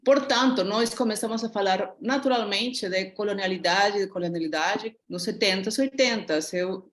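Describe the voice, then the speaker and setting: A woman's voice: mid-range voice, normal speed. A middle-aged woman from Peru with a Peruvian Spanish accent, talking at length and with feeling as a student in an online class. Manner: animated, talkative, reflective. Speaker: student asking a question.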